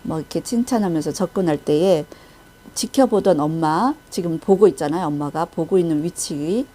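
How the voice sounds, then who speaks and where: Woman preacher, dark mellow tone, testimony sermon, acts out quotes, restarts a lot. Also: on the low side, normal speed. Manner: retells a vision with acted quotes and frequent restarts. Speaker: Christian intercessory prayer minister.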